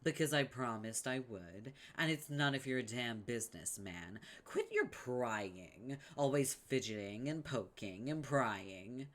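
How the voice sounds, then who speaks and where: A man's voice: medium pitch, lively intonation, takes it slowly, hardly any pauses, fairly bright tone. A man voicing a smug, scheming young female troll with a brash, sarcastic delivery.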